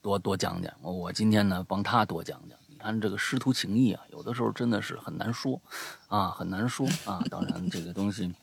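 A man hosting a show, chatting casually and promoting it, with a gravelly voice and a habit of repeating phrases for emphasis. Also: deep voice, fairly quick. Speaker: show host and audio storyteller.

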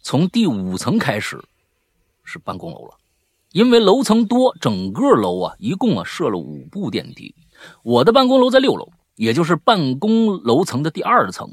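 A man with a rough, husky voice hosting and telling listener stories in a chatty way, prone to grumbling, scolding asides. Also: on the high side, wildly swooping pitch, normal speed, no echo, clean studio sound. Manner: grumbling, scolding, exasperated rants. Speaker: host reading listener stories. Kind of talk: animated storytelling with chatty asides.

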